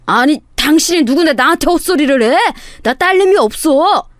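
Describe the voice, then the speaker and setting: Brief: a blustering elderly con man, gruff and rude, pitched up, voiced by a woman narrator in a dry audio drama. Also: animated, moderate pace, no room sound. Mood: scornful. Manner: gruff, indignant shouting.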